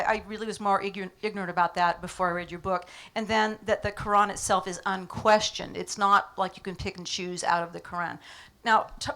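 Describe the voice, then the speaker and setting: Woman host, mid-pitched, eager and admiring, asks long questions on stage. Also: fairly bright tone. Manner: enthusiastic, admiring reactions. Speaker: interviewer, host. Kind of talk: public interview before an audience. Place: stage before a live audience.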